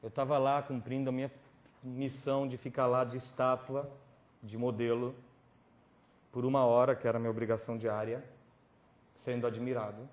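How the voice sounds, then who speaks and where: A man's voice: mid-range voice, flat delivery, normal speed, long pauses. Man preaching a dramatic testimony. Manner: dramatic storytelling, swinging from whispers to loud pleading. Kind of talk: testimony sermon. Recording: roomy hall recording with faint noise.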